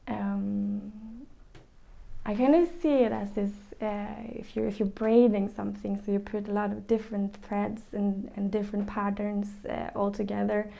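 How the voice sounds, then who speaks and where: A young woman with a Norwegian accent talks about her music in a calm, searching way, stopping often to find the right words. Her voice is low in brightness, mellow and heavy with vocal fry. Her pitch stays flat and even, with little rise or fall. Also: moderate pace. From northern Norway. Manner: thoughtful, searching for words with many ums and restarts. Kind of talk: reflective interview answers.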